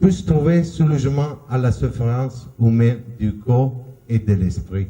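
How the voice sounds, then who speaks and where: A man with a non-native accent, medium pitch and lively intonation at a fairly slow pace. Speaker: charity founder. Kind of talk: reading aloud. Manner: halting.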